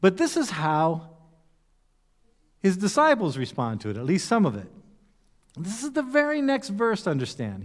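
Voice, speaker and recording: A man's voice: fairly high pitch, long reverb tail. A man preaching a conversational sermon, putting rhetorical questions to his listeners. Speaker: pastor.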